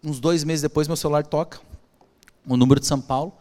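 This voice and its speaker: A man with a Brazilian Portuguese accent telling a personal story as a podcast guest, acting out the dialogue in an animated way. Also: fairly high pitch, fast talker. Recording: long hall reverb.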